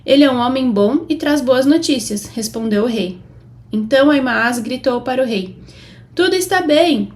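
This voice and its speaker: Bible passages are read aloud at a moderate pace by a woman whose voice sits on the high side and who has a Brazilian Portuguese accent. Her delivery is steady, rising for quoted speech.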